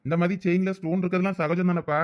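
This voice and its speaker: Casting: man as officious, doubting cartoon cop, high-toned, breakneck delivery, Tamil accent. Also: fairly even intonation, rapid-fire, lo-fi sound, natural voice. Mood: sceptical. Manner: official, questioning. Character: strict, sceptical by-the-book police officer. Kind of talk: cartoon drama dialogue.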